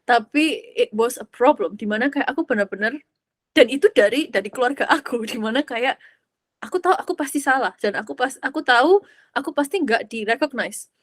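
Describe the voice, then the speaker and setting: A woman's voice: fairly high pitch, expressive, brisk, no echo. A young woman hosting a podcast, talking through personal stories in a casual, reflective way, slipping English phrases in and laughing often. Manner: mixes English phrases freely, laughs often, acts out voices. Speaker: podcast host.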